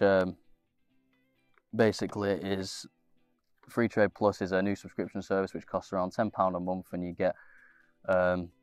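Young guy, stuffy nasal cold voice, deep and monotone, lots of ums, dry close mic. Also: clear, resonant tone, no echo. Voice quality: a bit nasal. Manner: rambling, lots of fillers and restarts. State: congested with a cold. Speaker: investing channel host. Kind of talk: casual screen-share walkthrough.

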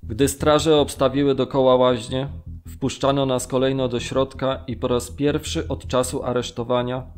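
Actor as sombre male survivor, measured telling. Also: medium pitch, little pitch movement, clear, resonant tone, soft background music, natural voice. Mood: sombre recounting. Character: Polish male camp survivor recounting deportation, sombre. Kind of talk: dramatised documentary memoir reading.

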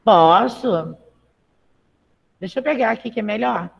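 A woman's voice: fairly high pitch, expressive, a little slow, vocal fry, dull audio, a little hiss or hum. Chatty, encouraging woman teacher. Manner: chatty, checks in with frequent "tá?"; encouraging and motherly with students. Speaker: Portuguese teacher. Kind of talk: live online grammar lesson.

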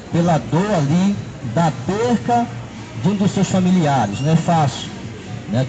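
A man's voice: on the high side, muffled recording, background noise. A middle-aged man, preaching an open-air sermon into a handheld microphone in a city square, often adding "né" and "não é" between his phrases. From Brazil. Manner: repetitive, fills with "né" and "não é". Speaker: street preacher. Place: city park square, outdoors.

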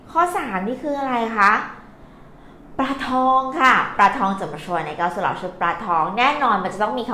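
A woman's voice: medium pitch, bright, forceful tone. A woman teaching vocabulary live, patiently explaining character strokes and quizzing her viewers. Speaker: Chinese language teacher. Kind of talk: live-streamed vocabulary lesson. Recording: echoey room, faint noise.

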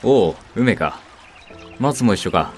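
A man's voice: fairly low pitch, animated, takes it slowly, soft background music. A man playing a proud, fatherly samurai castle lord in a period voice drama, speaking in an archaic, lordly way. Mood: warm, stately. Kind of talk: Japanese period voice drama acting.

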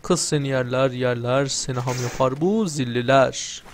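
A man's voice: medium pitch, normal speed, slight background noise. A young man giving casual let's-play commentary, joking, swearing and talking back to the game's characters. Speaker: gamer playing through a video game.

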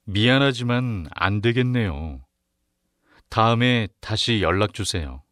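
A man reading the question numbers and his part of a listening-test dialogue, slowly and with careful enunciation. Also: lowish voice, fairly bright tone, dry recording, clean studio sound. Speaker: narrator and dialogue reader on a Korean listening exam. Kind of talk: scripted exam narration and dialogue.

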